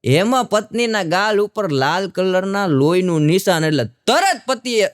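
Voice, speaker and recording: A man's voice: sits high, lively intonation, a little slow, dry recording, studio quality. A man with a Gujarati accent doing stand-up comedy for a live audience, telling jokes in a folksy storytelling manner and voicing the characters. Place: stage before a live audience.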